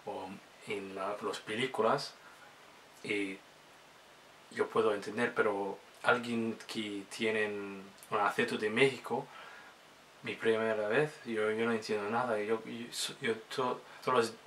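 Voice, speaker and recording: A man's voice: lowish voice, level tone, fairly bright tone, a little hiss or hum. A man speaking as a hesitant language learner in a casual vlog, often restarting his words. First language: Somali. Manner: halting learner's speech with many restarts. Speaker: vlogger.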